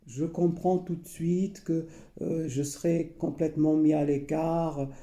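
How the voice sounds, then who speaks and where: A man, recalling his past slowly and hesitantly, often pausing and repeating himself. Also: fairly high pitch, fairly even intonation, dark tone, echoey room. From Portugal. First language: Portuguese. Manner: hesitant, many pauses and repeated phrases. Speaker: memoir narrator. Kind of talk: slow personal recollection.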